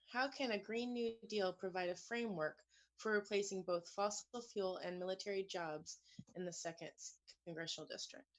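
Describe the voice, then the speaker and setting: A woman's voice: mid-range voice, fairly even intonation, normal speed. A woman co-moderating a town hall, reading out audience questions and a bit flustered.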